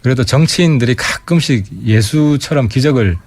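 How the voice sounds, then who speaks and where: A man guesting on a radio current-affairs interview as a lawmaker, giving pointed, sharp-tongued political commentary into a studio mic. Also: mid-range voice, normal speed, dry recording.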